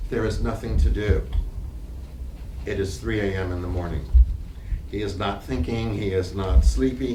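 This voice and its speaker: A man reading stage directions aloud as narrator at a live play reading, in a measured, literary way. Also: lowish voice, a little mellow. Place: library reading room. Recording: echoey room, distant mic, faint noise.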